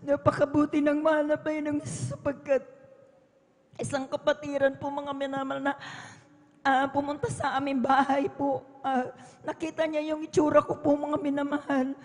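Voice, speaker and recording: A middle-aged woman giving a personal testimony at a prayer service, earnest and polite, calling the congregation beloved every few words. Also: sits high. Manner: polite and deferential, adds respect particles throughout. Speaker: church member giving testimony. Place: church hall during overnight prayer. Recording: reverberant church hall.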